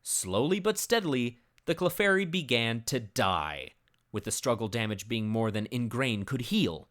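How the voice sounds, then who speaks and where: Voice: mid-range voice, lively intonation, moderate pace, fairly bright tone. A narrator giving a dramatic reading of a comic story in a grave, theatrical storyteller manner.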